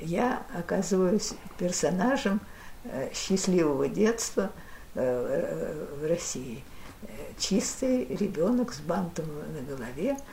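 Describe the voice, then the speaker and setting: A woman of medium pitch speaks very slowly with long, frequent pauses and very wide pitch swings, amid noticeable background noise and audible room echo. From Moscow, Russia. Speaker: historian. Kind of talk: oral history interview. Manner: halting.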